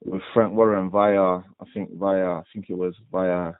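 Young london guy, real low voice, laid back and rambly, tinny phone sound. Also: level tone, measured pace, clear, resonant tone. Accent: London English. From London, England. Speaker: professional boxer, guest. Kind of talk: casual interview answers. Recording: tinny dry phone line.

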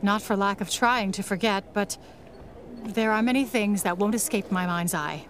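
A woman's voice: mid-range voice, normal speed, close to an everyday voice. Woman playing a composed, world-weary mystery woman. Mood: wistful, dry. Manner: calm, dry, reflective. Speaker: actor in an audio drama. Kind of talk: 1940s pulp radio drama acting.

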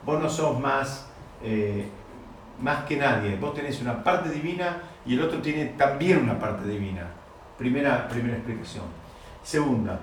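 A man teaching a Torah class, explaining step by step and asking his listeners rhetorical questions. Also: medium pitch. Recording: very echoey room, distant mic, faint noise.

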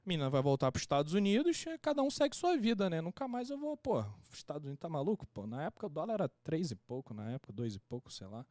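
Young rio guy telling a funny story, talks quick, lots of slang, acts out what people said. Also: fairly high pitch, no echo. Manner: slangy, animated, acts out quotes. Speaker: podcast guest. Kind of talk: casual anecdote storytelling.

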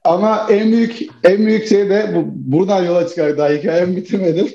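A man's voice: sits high, fairly even intonation, quick pace, dark tone. A man from Turkey chatting casually with friends, laughing often and calling them "abi". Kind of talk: casual chat. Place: living in the United States. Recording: dull roomy home recording.

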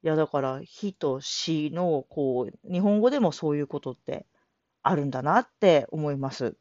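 A woman with a lowish voice rambles through her own solo talk show in a chatty, self-deprecating way, laughing often. Her pitch swings widely from phrase to phrase. The recording is dry and a little dull, like a low-fi home setup. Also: animated, normal speed, darkish tone. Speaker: solo audio show host. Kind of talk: casual spoken monologue.

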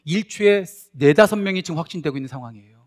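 High-voiced pastor preaching with swinging intensity. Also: male voice, fast. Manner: animated, swings from loud emphatic lines to soft confiding asides; conversational, asks the congregation questions. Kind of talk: sermon.

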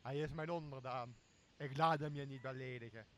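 A man's voice: medium pitch, normal speed, fairly bright tone, slight background noise, natural voice. A young man, a student actor in a radio play, playing a drunken, pompous, commanding lord of an island. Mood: lordly. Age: young adult. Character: drunken, bossy, self-crowned male lord of an island. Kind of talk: amateur radio drama acting.

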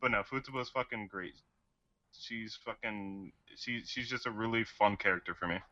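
A young man with a fairly low but very bright, forceful voice talks as an excited anime fan. He gushes casually and crudely, swearing often, like a co-host chatting with a friend. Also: moderate pace, dull audio. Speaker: co-host of an anime discussion show. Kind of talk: casual chat.

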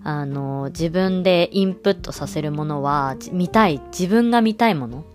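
A woman's voice: deep voice, normal speed, darkish tone, soft background music. A young woman hosting a casual solo podcast, chatting loosely with many fillers and frequent little laughs. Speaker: podcast host.

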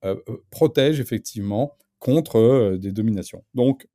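A man commenting casually on a radio show, emphatic and animated, with many fillers and restarts. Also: mid-range voice, normal speed, dry recording, clean studio sound. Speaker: guest commentator.

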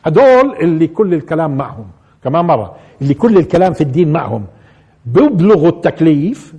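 A man's voice: on the high side, big pitch swings, rapid-fire, darkish tone, slightly rough. A man giving a live religious commentary lesson, repeating key phrases and putting rhetorical questions to his listeners. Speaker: religious teacher.

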